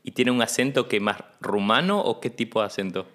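A man's voice: fairly low pitch, expressive, fairly quick, a bit bright. A man with a Rioplatense Spanish accent hosting a podcast in a casual chat, asking easygoing questions. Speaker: podcast host.

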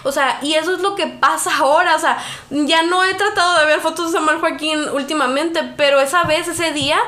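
A young woman co-hosting a podcast, telling personal stories in an emotional, animated way with lots of fillers. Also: high voice, brisk. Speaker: podcast co-host. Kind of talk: casual podcast chat.

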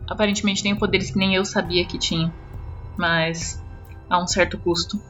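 A woman's voice: fairly low pitch, little pitch movement, measured pace, fairly bright tone, dull audio, soft background music. A woman playing a casual, evasive celebrity in an audio drama game, in an offhand, hesitant way. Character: casual, evasive celebrity woman who sold her soul.

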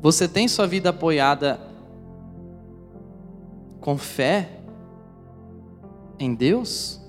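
A man's voice: fairly high pitch, drawn-out words. A man preaches to his congregation, acting out scenes from his own story. His voice rings with a long reverb through a church hall, while music plays faintly underneath. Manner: animated, acts out scenes and voices; talks directly to the congregation. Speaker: pastor. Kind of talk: sermon with storytelling.

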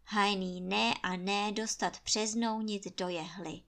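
A woman storyteller reading a fairy tale aloud for children in a calm, expressive way. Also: medium pitch.

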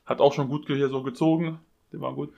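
A man's voice: medium pitch, flat delivery, fast, vocal fry, darkish tone, dull audio. A man telling stories casually in street slang, as a podcast guest. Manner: German street slang, peppered with Digga and Bruder.

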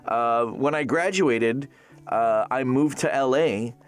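A Canadian-raised voice actor, a man, chats casually as an interview guest, rambling with lots of restarts and fillers. His voice is medium in pitch and his pace is slow.

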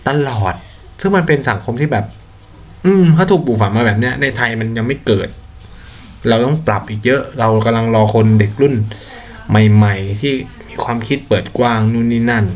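Young male podcast host, casual solo talk, blunt and slangy delivery. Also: medium pitch.

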